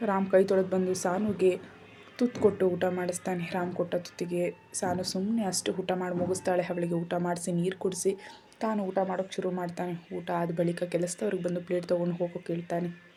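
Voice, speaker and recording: A woman storyteller reading a romantic serial story in a steady, even manner. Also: fairly low pitch, fairly quick, faint music behind. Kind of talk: scripted story narration.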